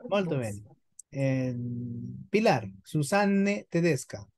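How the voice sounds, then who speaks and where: A woman teaching a beginners' Italian class, slowly modelling words and patiently repeating them for her students. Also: a bass voice, sing-song, darkish tone. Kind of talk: online language lesson.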